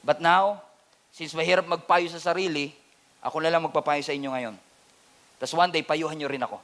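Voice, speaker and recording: A pastor from the Philippines with a Filipino accent, delivering an animated, humorous sermon that mixes Tagalog and English. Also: male voice, fairly high pitch, a little fast.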